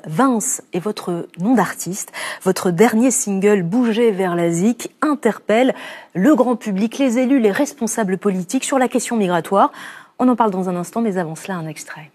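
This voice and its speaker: A woman presenting the evening news, interviewing a guest in the studio in a measured way with a few hesitations. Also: mid-range voice, a little mellow. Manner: measured, poses questions with some hesitation.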